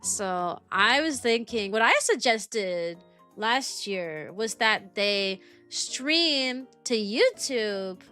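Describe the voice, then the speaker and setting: A woman's voice: medium pitch, expressive, very slow, pushed and bright. A woman livestream host chatting casually in a rambling way, repeating phrases for emphasis. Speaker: kindergarten teacher. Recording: music playing behind the voice. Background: background music.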